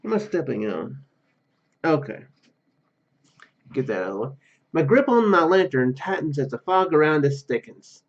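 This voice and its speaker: A man hosting a gaming video, commenting casually and reading game text aloud in a halting, rambling way. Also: on the high side, big pitch swings, dull audio.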